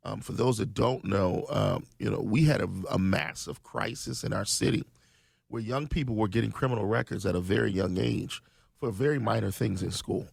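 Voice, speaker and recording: An earnest man speaking as a radio studio guest, often restarting his sentences. His low voice has a gravelly edge, and the recording is close and dry. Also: normal speed, no echo. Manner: earnest, many ums and restarts. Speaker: state legislator guest. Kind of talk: conversational radio interview.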